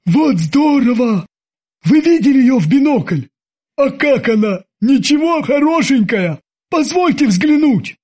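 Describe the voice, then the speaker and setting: A man's voice: high-pitched, expressive, unhurried, pitched above the performer's own voice. A man voicing a burly, dim-witted, childish henchman with a whiny, naive way of pleading. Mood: naive eager.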